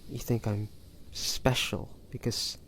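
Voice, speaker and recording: A man playing a weary, vulnerable young hunter in an intimate romantic audio drama, speaking haltingly and tenderly, with devotion. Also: lowish voice, flat delivery, fairly bright tone, slight background noise. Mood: hesitant, wondering. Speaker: amateur voice actor.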